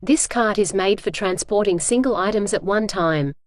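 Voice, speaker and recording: A woman's voice: mid-range voice, normal speed, no room sound, clean studio sound. A woman reading scripted practice sentences aloud for an English exam lesson.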